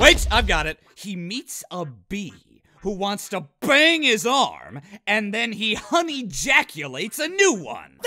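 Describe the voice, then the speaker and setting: A cartoonish character voice, fairly high with very wide pitch swings, moves at a fairly slow pace with hardly any pauses in a very clean recording over a silent background. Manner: goofy, cheerful, oblivious.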